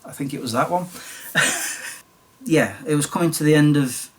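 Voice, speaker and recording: A man in his late forties with a Sheffield accent, chatting casually and self-deprecatingly about his past, his voice slightly croaky. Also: fairly high pitch, normal speed, distant mic. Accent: Sheffield English. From Sheffield, England. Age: late 40s. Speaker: YouTuber. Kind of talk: casual storytelling monologue.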